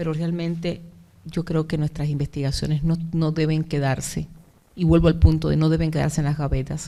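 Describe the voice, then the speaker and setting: Here a woman speaks with a very deep, low pitch. Her tone is dark and mellow. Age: 50s. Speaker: researcher. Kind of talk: lecture. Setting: seminar with audience. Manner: animated.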